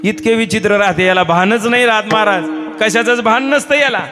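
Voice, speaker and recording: A man's voice: sits high, brisk, music in the background. A man preaching a devotional kirtan sermon, telling comic stories in an earnest tone and addressing the audience as elders. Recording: echoey hall with live instruments.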